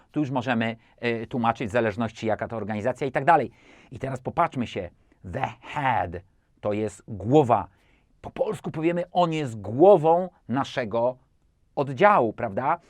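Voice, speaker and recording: Lively male tutor, dry close mic, English examples read slow and deliberate. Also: mid-range voice, dry recording. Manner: slow, deliberate English example sentences between quick Polish explanations. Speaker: English teacher. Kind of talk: language lesson explaining word meanings.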